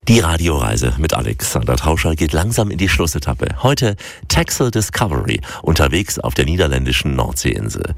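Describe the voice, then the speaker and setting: A man from Germany hosting a radio travel show, narrating scenes and interviewing locals in a smooth, descriptive way. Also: extremely low pitch, big pitch swings, moderate pace, no room sound.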